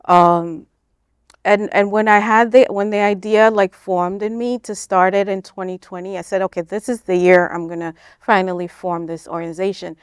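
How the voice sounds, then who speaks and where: In clean studio sound with no room noise, a woman from Kenya who founded a nonprofit answers an interviewer in a smooth, mid-range voice with fairly even intonation at normal speed. Her style is informal and explanatory, with frequent "like" and "you know".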